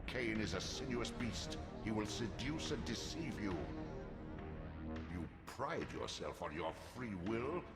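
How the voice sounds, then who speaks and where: A man's voice: fairly low pitch, very animated, a little slow. A man voicing an ancient, domineering god-creature in a gothic video game, pompous and menacing, in cavernous reverb. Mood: ominous warning. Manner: pompous, commanding, formal. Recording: long echoing reverb under loud music.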